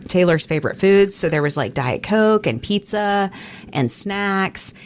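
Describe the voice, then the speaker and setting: A woman's voice: medium pitch, lively intonation, a little slow, a little hiss or hum. An American woman telling stories casually as a podcast co-host. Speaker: podcast co-host and radio personality. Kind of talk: casual chat, anecdotal storytelling.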